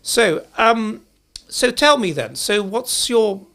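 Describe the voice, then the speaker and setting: A man with a posh English accent hosting an interview, halting and full of restarts and repeated words. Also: high voice, animated, bright, forceful tone. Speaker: host. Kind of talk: interview host, chatty.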